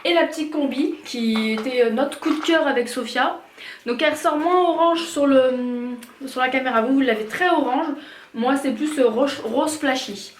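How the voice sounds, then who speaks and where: A woman's voice: high-pitched, normal speed. A woman from France in her thirties, chatting casually through a shopping haul with lots of fillers and hesitations. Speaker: vlogger. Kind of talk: casual product haul chat. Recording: echoey room, faint noise.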